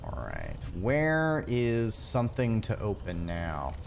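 A man's voice: lowish voice, huge pitch swings, takes it slowly, vocal fry, noisy background. A man livestreaming a video game with casual, rambling, hesitant commentary.

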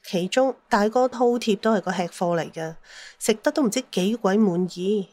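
A woman's voice: mid-range voice, moderate pace, a little mellow. A woman telling a dramatised story as an audiobook narrator, with a Cantonese accent.

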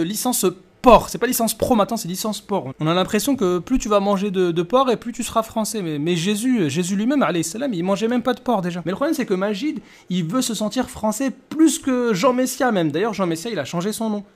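Higher-voiced man, mocking video commentator. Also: a little fast, few pauses. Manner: mocking, animated rhetorical questioning. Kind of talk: conversational rebuttal commentary to camera.

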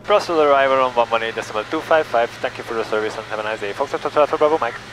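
A young man talks through his flight from the cockpit of a small plane, calm and methodical. His headset mic picks up a steady engine drone behind him. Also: medium pitch, very fast, noisy background. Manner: calm, methodical, reads back clearances. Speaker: private pilot. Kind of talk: cockpit narration and radio calls. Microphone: headset boom mic.

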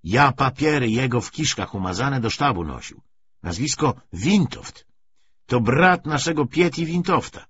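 A man's voice: mid-range voice, lively intonation, unhurried, a bit bright, lo-fi sound, a little hiss or hum, pitched above the performer's own voice. A man voicing a Cossack soldier who boastfully tells gossip to his comrades in an audiobook.

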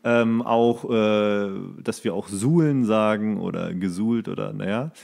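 A man's voice: fairly low pitch, unhurried, creaky, darkish tone. A man co-hosting a casual podcast chat in a rambling, jokey way. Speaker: podcast co-host.

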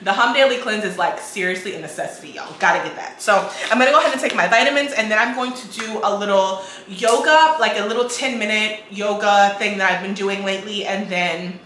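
Bright slightly hoarse young woman, chatty lifestyle vlogger, roomy kitchen echo, faint hiss. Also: mid-range voice, fairly quick, hardly any pauses. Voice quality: raspy. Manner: chatty, addresses viewers as guys and y'all. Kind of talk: casual chat to camera. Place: home kitchen, indoors. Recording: echoey kitchen with faint noise.

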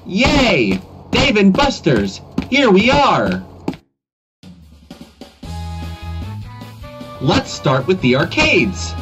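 A man voicing a whiny, defiant, excitable schoolboy in an amateur comedy animation, on a cheap webcam mic. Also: high-pitched, takes it slowly, over music, full character voice. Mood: gleeful.

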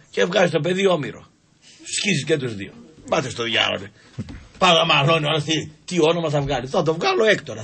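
Animated storytelling man, fairly high voice. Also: husky. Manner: animated, acts out voices in anecdotes. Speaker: radio show guest storyteller. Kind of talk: casual comic storytelling. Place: radio studio.

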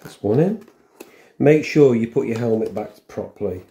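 A middle-aged man talks through a practical job at home in a casual, unscripted way. His voice is mellow and halting, thinking aloud as his hands work, with background noise and small clicks around him. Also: mid-range voice, animated, muffled recording. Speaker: vlogger demonstrating a helmet intercom fitting. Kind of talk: casual hands-on tutorial chat. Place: room at home, indoors.

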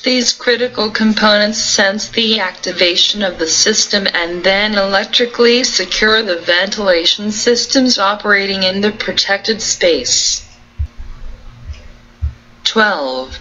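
A woman reading out a numbered list of technical interview questions and answers in a flat, even way. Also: medium pitch, slow, dull audio.

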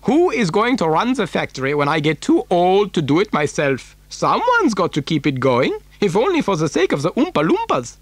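An eccentric chocolate factory boss from a children's storybook. His high voice swoops wildly with theatrical emphasis. He is imperious and excitable, recorded close and dry. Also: normal speed, few pauses, no echo, heavily acted. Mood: earnest, emphatic.

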